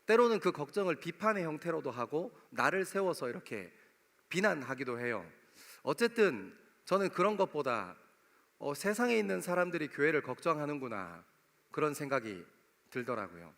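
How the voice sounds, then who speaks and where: Young male pastor, regional Korean dialect, slightly high voice, casual sermon delivery in a reverberant church hall. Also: very animated, moderate pace, fairly bright tone. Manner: conversational, jokes with the congregation. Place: church sanctuary.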